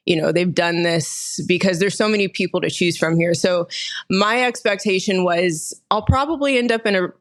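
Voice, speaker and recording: A woman in her thirties from Texas, a guest telling her story candidly in a casual podcast interview, often laughing as she talks. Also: fairly low pitch. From Austin, Texas, USA. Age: 30s. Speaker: guest, nurse injector.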